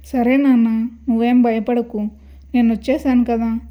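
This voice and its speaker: A woman's voice: fairly high pitch, level tone, normal speed, lo-fi sound, lightly acted. A woman voicing a worried village farmer father in a told horror story. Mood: soothing.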